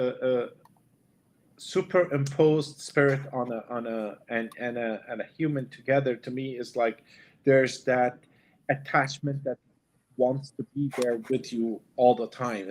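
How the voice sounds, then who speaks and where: A man, a spiritual medium, talks in a casual podcast chat, encouraging and halting, often repeating his words. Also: medium pitch, slight background noise, poor audio.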